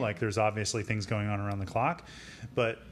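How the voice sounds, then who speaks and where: The speaker is a man. His voice is at a medium pitch. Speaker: podcast co-host. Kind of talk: casual chat. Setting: studio. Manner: slow.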